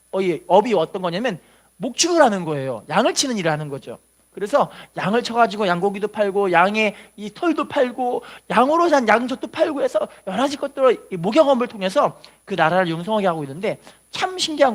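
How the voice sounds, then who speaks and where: A male pastor delivering a Sunday sermon. He tells the story emphatically, keeps calling out hallelujah, and swings between loud declarations and quiet asides. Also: high-pitched. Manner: emphatic preaching with frequent hallelujah refrains.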